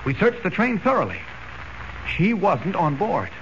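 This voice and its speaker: An actor playing an earnest young newspaper reporter who talks urgently and stammers when cornered, in 1940s radio acting. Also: male voice, high-pitched, big pitch swings, a little slow, heavily acted. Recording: dull, hissy old radio recording.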